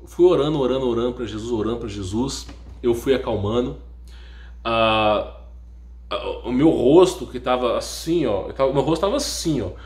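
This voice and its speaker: Animated man telling a personal story. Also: medium pitch, roomy sound. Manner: animated storyteller who acts out what others said; keeps stressing "no joke" and checking in with listeners. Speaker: YouTube channel host. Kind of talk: emotional personal testimony.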